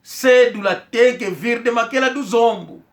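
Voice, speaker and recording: A man's voice: very high voice, unhurried. A man tells a personal story in a casual monologue, rambling and repeating himself as he acts out quoted dialogue. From Angola. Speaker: commentator telling a personal story.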